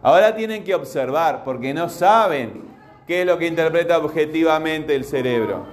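A man's voice: on the high side, animated, normal speed. Patient male teacher. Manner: patient, asks the class repeatedly. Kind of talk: classroom lecture with questions.

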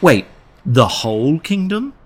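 A woman's voice: deep voice, sing-song, slow pace, exaggerated voice. A woman playing a sheepish, pompous, stammering king in an audio pantomime. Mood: flustered. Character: bumbling, sheepish King Arthur, henpecked husband. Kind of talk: pantomime radio acting.

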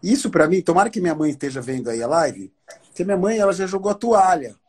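A man on a live podcast as the guest, talking in a slangy, joking, excitable way. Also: high-pitched, fast, breathy edge. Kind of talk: casual live chat.

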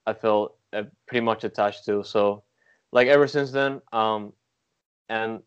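A young man from Venezuela answering questions on a soccer podcast in an easygoing, filler-filled way. His voice is low and smooth, and it comes through slightly muffled, lo-fi audio. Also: steady tone, measured pace. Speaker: podcast guest. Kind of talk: casual interview.

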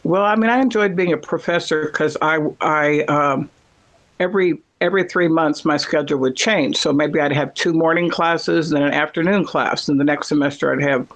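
Chatty guy, bit high-pitched, rambling casual storyteller. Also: normal speed, a bit bright. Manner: rambling, chatty, many fillers. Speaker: conversation partner. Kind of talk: casual chat.

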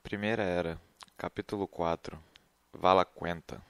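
Deep-voiced man narrating casually. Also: steady tone, a little slow, fairly bright tone, clean tone, no echo. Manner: casual, joking, slangy. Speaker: host. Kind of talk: humorous narrated explainer. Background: background music.

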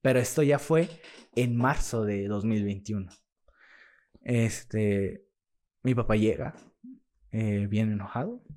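A young man with a Mexican Spanish accent, a musician telling his own story as a podcast guest, lively and acting out what people said. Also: on the low side, slow pace, pauses often. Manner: lively, acts out quoted dialogue, laughs while telling. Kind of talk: casual storytelling in an interview.

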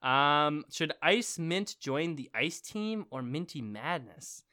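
A young man co-hosting a podcast reads listener emails aloud and rambles with lots of fillers in casual chat, getting worked up about marble racing. His voice is fairly high, animated and slow, sounding pushed and bright.

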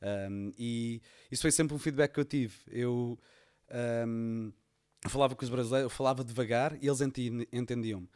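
A man's voice: mid-range voice, moderate pace, smooth. Man, European Portuguese accent, podcast guest, casual storytelling, lots of fillers. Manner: relaxed storytelling, many fillers and restarts. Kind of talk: casual conversation.

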